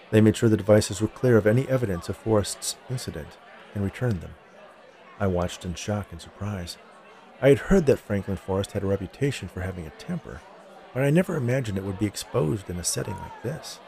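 A man's voice: lowish voice, creaky, a little mellow. A man narrating a scripted short story as the storyteller. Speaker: writer and narrator of a fiction podcast.

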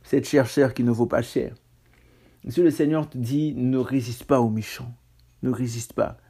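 A man's voice: mid-range voice, steady tone, a little slow, warm tone, husky. A man preaching a casual sermon on scripture, talking conversationally with self-mocking asides and stammered restarts.

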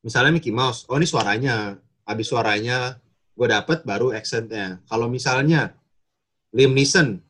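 A man in casual chat, lively and slangy, who keeps breaking into impressions. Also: medium pitch, normal speed. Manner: lively, slangy, jumps into voices. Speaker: guest impressionist.

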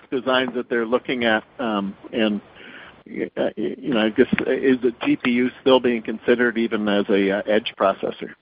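A male financial analyst asking a question on an earnings call. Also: mid-range voice. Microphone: conference call line. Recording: slightly muffled line, faint noise.

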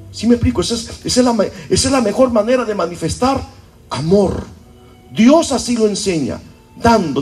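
A man's voice: high voice, darkish tone. A pastor preaching a sermon to his church, often throwing rhetorical questions at the congregation. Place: church service.

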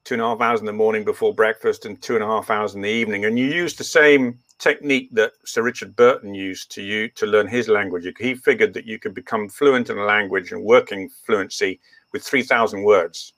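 A man's voice: fairly low pitch, fairly even intonation, brisk, a bit bright, no room sound. An older man who grew up in East Africa, speaking English with Swahili as his first language, telling his story as a guest in a rambling way full of ums and restarts. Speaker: guest, veterinarian. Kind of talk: relaxed interview storytelling.

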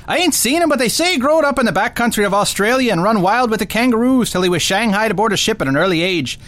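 A man playing an eager, loyal sailor pal with rough, slangy talk in a radio play. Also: high-pitched, expressive, fast, a bit bright.

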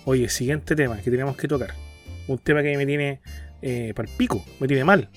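A man's voice: mid-range voice, faint music behind. A Chilean man co-hosting a casual comedy podcast, slangy and mocking. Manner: rapid, slangy, mocking impressions. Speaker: podcast co-host.

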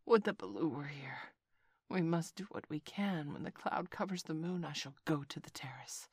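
A woman's voice: sits low, expressive, normal speed, husky, dry recording, clean studio sound, full character voice. A woman whispering as a wary black panther. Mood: urgent. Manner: hushed whisper. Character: wary black panther, sleek male hunter.

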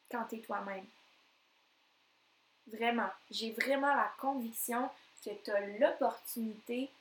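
Québécois woman coach, solo podcast, energetic and emphatic, slightly high voice, echoey room. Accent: Québécois French. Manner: energetic, emphatic, repeats phrases for effect. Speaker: NLP coach.

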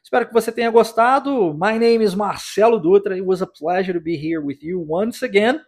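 A man's voice: high voice, moderate pace. A man from Brazil whose first language is Portuguese, teaching English in a podcast lesson and patiently modeling phrases for listeners to repeat.

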